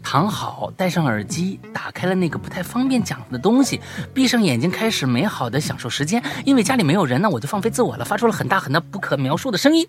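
An excitable man hosting a casual storytelling podcast, his pitch leaping up and down as he reads. He often stumbles and repeats words when he gets worked up, and faint music plays underneath. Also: fast, hardly any pauses. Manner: lively, stammering, repeats himself when excited. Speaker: podcast host reading listener stories.

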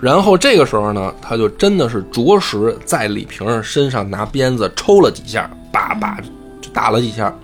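A man who hosts a podcast, retelling a classic novel in animated, colloquial chat and swearing freely. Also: medium pitch, normal speed, faint music behind. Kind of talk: casual storytelling chat.

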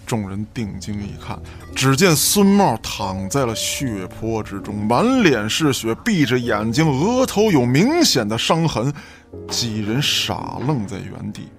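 A man narrates a scripted radio play. His voice is mid-pitched with very lively intonation, delivered as dramatic storytelling. Music runs faintly underneath. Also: a little slow, gravelly.

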